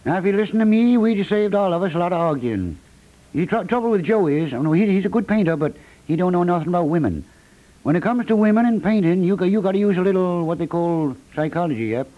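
An actor playing a fussy, folksy middle-aged contractor who stammers and repeats himself, in a 1950s radio comedy. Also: male voice, high voice, expressive, fast, narrow, tinny audio. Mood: folksy, knowing. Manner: stammering, repeats words, folksy ungrammatical speech. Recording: vintage 1950s radio recording.

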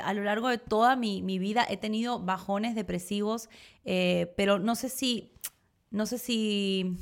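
A woman, co-hosting a casual chat with her partner in an expressive, emotional way. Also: mid-range voice. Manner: expressive, emotional, laughs easily. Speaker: co-host.

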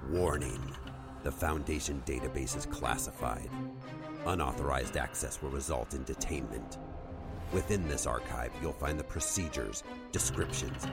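A man playing a cold, solemn, menacing archive announcer delivering a deliberate scripted warning in an audio drama. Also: extremely low pitch, creaky. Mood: ominous, stern. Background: loud music.

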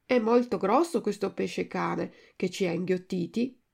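A woman's voice: medium pitch, measured pace, creaky, darkish tone, slightly rough, exaggerated voice. A woman voicing a frightened, stubborn wooden puppet boy who cries and shrieks for help in a storybook reading. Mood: eager.

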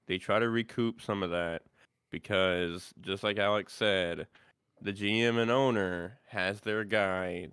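A man co-hosting a casual sports podcast, laying out his points deliberately, step by step. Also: lowish voice, fairly bright tone, clear, resonant tone, dry recording, clean studio sound. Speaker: podcast co-host.

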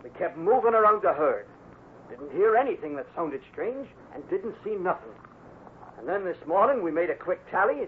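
An actor playing an earnest cowboy ranch hand with plain, folksy talk in a 1950s radio Western. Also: male voice, sits high, sing-song, normal speed. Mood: puzzled, earnest. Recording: tinny, noisy old radio recording.

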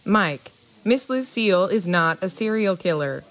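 An actress playing an easygoing small-town mother in an audio drama, folksy, teasing and gently scolding. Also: mid-range voice, expressive, a little slow, natural voice. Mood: matter-of-fact, chiding. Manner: folksy, teasing, matter-of-fact.

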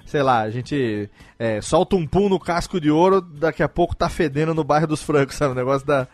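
Apresentador homem, papo casual e enrolado, voz levemente aguda. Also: male voice, fairly high pitch, brisk. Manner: rambling, repeats words, laughs often. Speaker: podcast host. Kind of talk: casual podcast chat.

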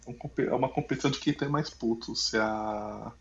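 A man's voice: medium pitch, brisk, creaky. Man retelling a comic with animation. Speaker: podcast co-host. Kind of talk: casual book discussion. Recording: slightly dull lo-fi audio.

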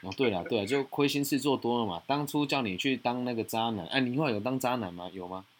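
A man's voice: medium pitch, a little hiss or hum. A man hosting a podcast, giving frank, teasing advice in a casual chat. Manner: frank, teasing, fast and animated. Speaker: podcast host and mentor.

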